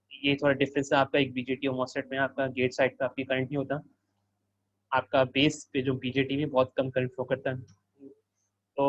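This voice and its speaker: A man's voice: mid-range voice, a bit bright, no room sound. Guy ta explaining circuit sims to students, asks them questions, kinda muffled lo-fi audio. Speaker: teaching assistant. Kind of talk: online tutorial walking through a circuit simulation.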